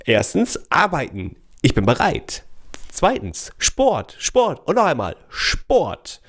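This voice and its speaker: A man's voice: fairly high pitch, wildly swooping pitch, slow pace, a bit bright. A man co-hosting a casual podcast, playfully reading quiz questions with theatrical flair. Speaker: podcast co-host, quizmaster.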